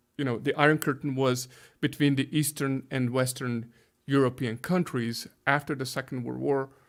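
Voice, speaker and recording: A man's medium-pitched voice with a Hungarian accent, monotone and flat in intonation, at a moderate pace. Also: very clean recording, silent background. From Hungary. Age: 50s. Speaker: pastor. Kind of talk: interview.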